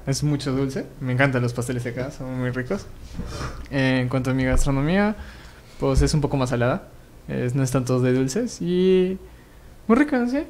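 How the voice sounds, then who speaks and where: A man's voice: mid-range voice, darkish tone, slight background noise. A man in his twenties with a Peruvian accent, a student guest giving hesitant, unscripted interview answers. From Arequipa, Peru. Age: 20s.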